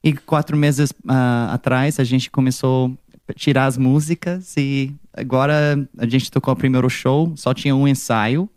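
A young man from California with an American accent, a musician answering interview questions in a second language, pausing and searching for words and slipping into English. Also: medium pitch, fairly even intonation, darkish tone, clear, resonant tone, dry recording, studio quality. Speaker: musician guest. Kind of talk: casual interview.

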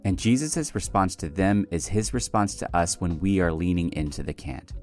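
Man, very low voice, calm earnest devotional reading, soft music underneath. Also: normal speed. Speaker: devotional speaker.

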